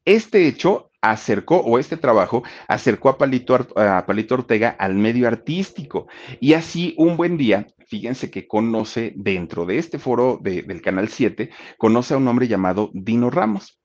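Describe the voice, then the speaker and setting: A man tells a biography in a relaxed, chatty way and keeps turning to his listeners. His voice rises and falls with energy. The recording is dull and lo-fi. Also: medium pitch, normal speed. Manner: chatty, addresses the listeners directly, many fillers. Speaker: storyteller. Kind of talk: casual biographical storytelling. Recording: dull lo-fi sound.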